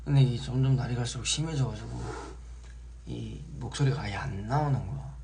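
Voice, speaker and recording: A young man hosting a casual live stream, relaxed and chatty, sometimes acting out how he sounds on the phone. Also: medium pitch, a little fast, gravelly, slight background noise. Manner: relaxed, chatty, acts out his own phone voices.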